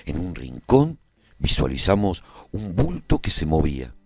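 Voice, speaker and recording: A battle-seasoned adventurer played by a man tells his tale as a radio serial narrator. The voice is very low, with dramatic, widely swinging intonation. The sound is dry and close. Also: wildly swooping pitch, a little slow, breathy edge, dry recording, faint music behind, heavily acted. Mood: dramatic, solemn. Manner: dramatic, storytelling. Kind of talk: scripted dramatic first-person narration.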